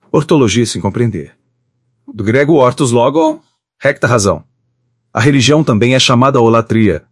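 A man reading a chapter of an audiobook in a steady, measured way. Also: mid-range voice, no room sound, clean studio sound. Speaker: audiobook narrator.

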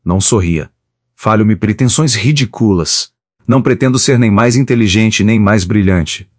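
A man's voice: fairly low pitch, normal speed, no room sound, clean studio sound, lightly acted. A man reading the lines of an earnest, lovesick male engineer in a pleading, heartfelt way.

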